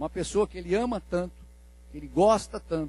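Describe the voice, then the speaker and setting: A man speaks with a Brazilian accent. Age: 60s. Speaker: pastor. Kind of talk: sermon. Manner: halting.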